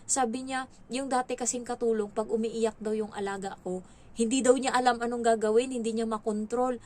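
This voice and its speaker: Chatty woman with a fairly high voice. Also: fairly quick. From Philippines. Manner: chatty, animated, quotes others in raised voices. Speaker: domestic helper vlogger. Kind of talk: casual storytelling vlog.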